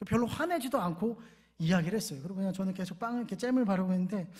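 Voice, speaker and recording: A man's voice: high-pitched, expressive, very fast, darkish tone. A middle-aged male pastor giving a sermon in a conversational way, telling everyday family stories and asking the congregation to repeat after him. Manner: conversational preaching with everyday stories and call-and-response.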